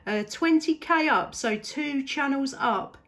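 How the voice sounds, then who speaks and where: A woman's voice: high voice, unhurried. A woman chatting casually as a CB radio operator. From southeast England. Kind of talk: casual radio contact chat. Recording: CB radio session with clear static noise. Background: radio static.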